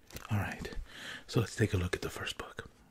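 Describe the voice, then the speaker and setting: A man speaks in a somewhat breathy, fairly low voice. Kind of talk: casual role-play chat. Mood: calm, hesitant, polite. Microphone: webcam.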